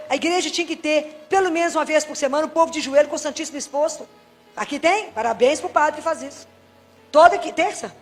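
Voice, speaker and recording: A Brazilian woman with a Brazilian Portuguese accent, a Catholic preacher giving a sermon to a live congregation, lively and full of rhetorical questions to the audience. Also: sits high.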